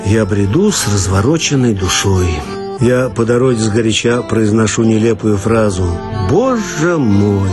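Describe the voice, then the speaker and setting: A man's voice: fairly low pitch, moderate pace. A man reading humorous first-person stories for radio in a mock-earnest, ironic manner. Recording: archival radio recording with guitar music. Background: guitar music.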